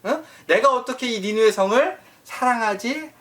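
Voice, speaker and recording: A man voicing God as a gentle, fatherly figure who softly coaxes and soothes. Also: very high voice, expressive, moderate pace, recorded from a distance, pitched above the performer's own voice.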